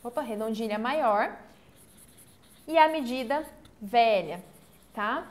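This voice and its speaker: A woman teacher, giving an online literature lesson, explaining step by step and often checking in with the class. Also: on the high side. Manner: explains step by step, counts syllables slowly aloud; checks in with frequent "tá?".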